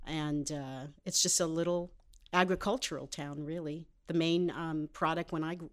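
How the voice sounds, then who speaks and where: An older American woman, a television writer, speaking as a guest in a casual interview, measured and reflective. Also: low-pitched, steady tone. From United States. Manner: measured, reflective, thinks aloud.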